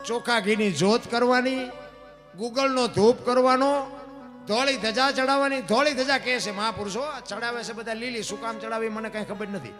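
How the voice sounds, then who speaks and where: A man's voice: very high voice, moderate pace. A man telling a devotional folk story in an emphatic, sing-song way at a live stage event. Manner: emphatic, sing-song, addresses listeners as bapu. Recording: guitar music behind voice.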